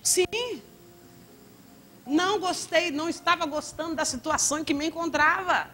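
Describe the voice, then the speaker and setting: A woman's voice: very high voice, fairly even intonation, normal speed, pushed and bright. Woman pastor telling a church testimony. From Brazil. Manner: storytelling with acted quotes and laughter. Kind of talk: testimony sermon.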